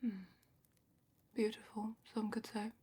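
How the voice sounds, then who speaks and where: Woman acting a breathy, whispering dragon matchmaker. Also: on the high side, level tone, full character voice. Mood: calm, curious. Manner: slow, gentle, thoughtful questioning with murmured pauses. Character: calm, attentive female dragon matchmaker interviewing a client. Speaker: ASMR roleplay performer. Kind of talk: soft-spoken ASMR roleplay, largely whispered.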